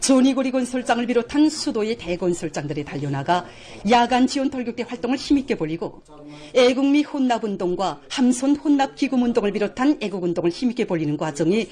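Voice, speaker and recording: A woman announcer delivers state television news in a North Korean accent. Her voice sits fairly high, and she declaims the formal script with solemn reverence. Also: darkish tone.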